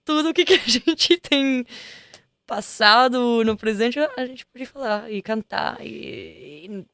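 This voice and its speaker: A woman's voice: on the high side, expressive, slow, fairly bright tone, no room sound. A woman, a singer being interviewed in a music studio, chatting casually and often restarting while she searches for words. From Italy. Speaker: guest singer.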